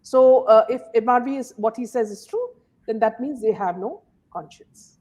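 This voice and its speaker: A woman's voice: a little high, normal speed, dark tone. Woman hosting a chatty commentary. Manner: many fillers and "you know"s. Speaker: host. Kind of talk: casual commentary chat.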